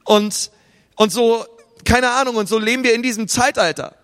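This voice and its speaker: In a reverberant hall, a man preaches a sermon in a casual, conversational style, acting out the thoughts and inner voices of his listeners. His voice is very high-pitched and a bit bright, at normal speed.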